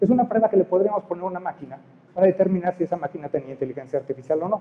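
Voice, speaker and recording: His voice sits high. The man rattles through his words very fast. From Mexico. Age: 50s. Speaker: technology executive; conference presenter. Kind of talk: conference talk. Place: hall.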